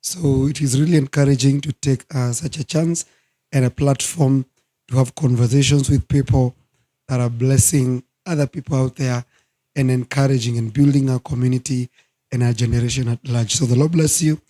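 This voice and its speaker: A hoarse man in his thirties, a guest minister speaking earnestly in a studio talk show interview. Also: medium pitch, fairly even intonation, dark tone. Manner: slow, earnest, preacherly.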